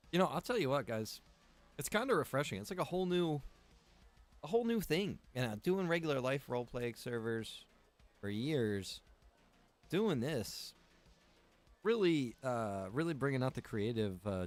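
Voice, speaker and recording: A man's voice: mid-range voice, sing-song, a little slow, pauses often, soft background music. A man talking casually and easily to viewers as he hosts a live gameplay stream, chatty and direct. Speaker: game streamer and server admin.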